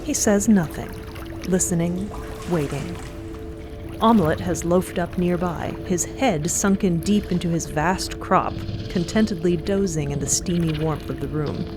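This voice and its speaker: A woman's voice: lowish voice, a little slow, music in the background. A woman narrating a scripted fantasy audio drama as a descriptive storyteller.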